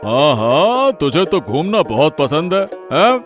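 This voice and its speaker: Guy voicing a good-natured village husband, kinda high, bouncy, bit teasing. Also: big pitch swings, a little slow, over music. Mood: easygoing. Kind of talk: cartoon voice acting.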